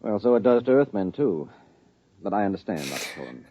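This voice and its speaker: A man's voice: on the low side, sing-song, brisk, mellow, breathy edge. An actor playing a sardonic, wary husband and policeman in a 1950s radio drama, speaking in a dry, probing way. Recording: thin, phone-like old radio recording.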